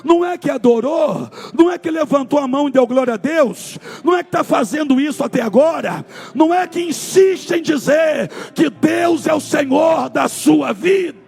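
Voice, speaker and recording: A man preaching a sermon at a church service, with fervent delivery that swings from shouting to hushed storytelling. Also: very high-pitched, lively intonation, normal speed, creaky, faint music behind. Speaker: pastor.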